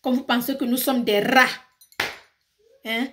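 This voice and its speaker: A woman's voice: fairly high pitch, steady tone, a little slow, fairly bright tone, slight background noise. A woman with a Cameroonian accent, ranting passionately in a casual vlog and switching between French and English. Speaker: YouTuber. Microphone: phone.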